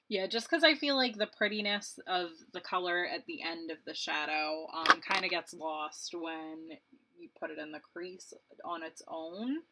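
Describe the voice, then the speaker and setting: A woman's voice: on the low side, a little slow, heavy background noise. A woman in her late twenties, a beauty vlogger chatting casually and rambling while she does her makeup, laughing often. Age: 20s.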